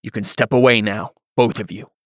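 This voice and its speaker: A man voicing a weary, stern overseer with quiet authority in a fantasy audiobook, low-key and softly growling. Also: fairly even intonation, fairly quick, dry recording, studio quality, close to an everyday voice.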